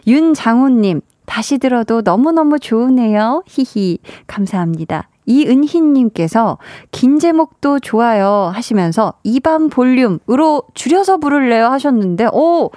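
A woman's voice: on the high side, dark tone, no room sound, clean studio sound. A woman hosting a late-night radio show, cheerfully reading out listener messages and encouraging them. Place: radio studio. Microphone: studio microphone.

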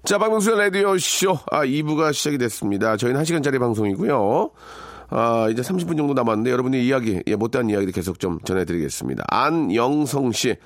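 A man's voice: mid-range voice, animated, fast, no room sound, studio quality. Chatty middle-aged male radio DJ. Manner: chatty, frequent "yes" fillers, wry asides. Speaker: radio DJ host. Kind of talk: reading listener messages and chatting on radio. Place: radio studio. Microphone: studio microphone.

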